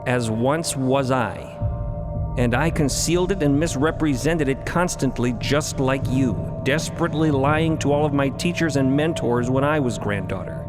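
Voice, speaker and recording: A man playing a stern but calm elder mentor of a religious order in an audio drama, speaking formally and with measured reassurance. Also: mid-range voice, lightly acted. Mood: grave confession. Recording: music behind the voice.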